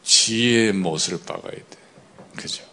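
A man preaching a sermon, often asking the congregation for agreement and swinging between loud emphatic bursts and quiet asides. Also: sits low, unhurried, vocal fry. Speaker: pastor.

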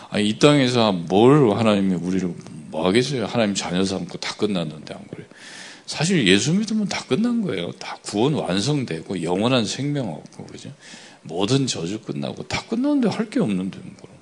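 A man preaching a sermon, often asking the congregation for agreement and swinging between loud emphatic bursts and quiet asides. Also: on the low side, big pitch swings, brisk, vocal fry, breathy edge. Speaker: pastor.

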